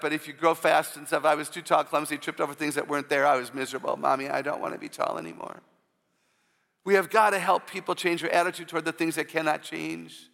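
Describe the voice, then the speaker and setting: A woman with a low voice, often taken for a man's, giving an inspirational church talk full of humorous personal stories and call-outs to the audience. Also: creaky, fairly bright tone, in a large hall. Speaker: Christian speaker.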